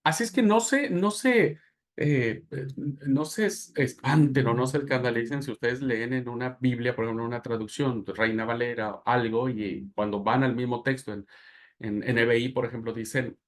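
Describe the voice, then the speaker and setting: A man from Mexico with a Mexican Spanish accent, teaching a Bible class and telling anecdotes in a lively lecture manner. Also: mid-range voice, normal speed. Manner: animated storytelling with laughs and asides.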